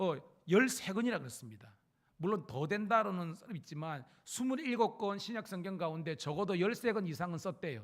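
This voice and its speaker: A man's high-pitched voice at a moderate pace, full of lively intonation. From South Korea, Gyeongsang region. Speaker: pastor. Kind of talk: sermon. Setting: church.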